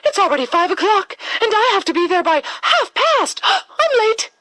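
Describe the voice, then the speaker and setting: A woman's voice: very high voice, sing-song, moderate pace, bright, forceful tone, no room sound, pitched above the performer's own voice, heavily acted. A woman voicing a frantic, fretful little male white rabbit in a children's storybook, exclaiming breathlessly. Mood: panicked. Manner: breathless exclamations with gasps, muttering in panic.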